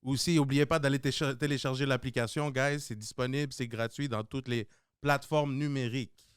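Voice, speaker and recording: A man with a Québécois accent co-hosts a podcast in a loose, slangy way, repeating himself as he jokes. His voice is smooth and clear, close and dry on the mic. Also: mid-range voice, fairly even intonation, brisk, no echo. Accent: Québécois French. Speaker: podcast co-host. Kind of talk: casual podcast chat.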